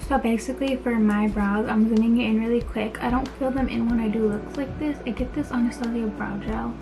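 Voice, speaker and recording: A beauty vlogger in her young adult years playfully talks through a laid-back makeup tutorial indoors in a small bedroom, with a retainer making her speech slightly slurred. Her voice is fairly high, and the audio quality is poor.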